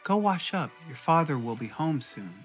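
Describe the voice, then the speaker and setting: Worried, commanding mom for a dramatic story, played by a man; urgent, raised pitch, music underneath. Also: big pitch swings, moderate pace. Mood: stern. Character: worried, firm mother of a teenage girl.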